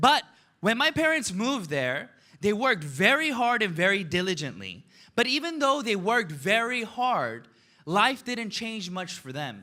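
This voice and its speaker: Speaking at a moderate pace in a raised, projected voice, a man with a high pitch sounds animated, with a bright, sharp tone and very wide pitch swings. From United States, Korean immigrant family. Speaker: network marketing speaker. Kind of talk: motivational seminar talk.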